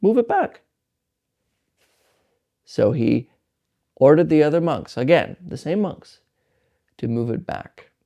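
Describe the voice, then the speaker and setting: A man teaching meditation, telling a story in a relaxed, conversational way with frequent fillers and restarts. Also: mid-range voice, unhurried, vocal fry, pauses often. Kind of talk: casual storytelling talk.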